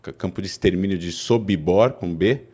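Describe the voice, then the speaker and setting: A man's voice: low voice, normal speed, darkish tone. A Brazilian man from São Paulo, a guest political scientist, telling his story in long explanations full of restarts and self-corrections. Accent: Brazilian Portuguese, São Paulo. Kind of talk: interview conversation.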